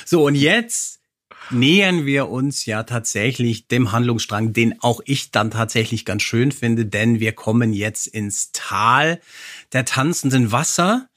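A man's voice: mid-range voice, unhurried, fairly bright tone, dry recording, clean studio sound. A man co-hosting a podcast in casual, conversational German-style recap chat, informal in his delivery. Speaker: podcast co-host.

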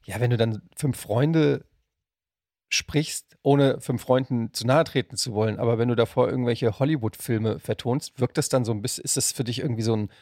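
Man hosting, medium pitch. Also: normal speed, darkish tone, dry recording, clean studio sound. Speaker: podcast host. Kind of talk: casual interview chat.

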